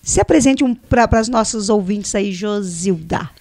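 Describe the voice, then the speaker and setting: A woman's voice: medium pitch, a little slow, a little mellow, dry recording, clean studio sound. A Brazilian woman hosting a radio talk show, chatty and encouraging as she leads the conversation. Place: radio studio.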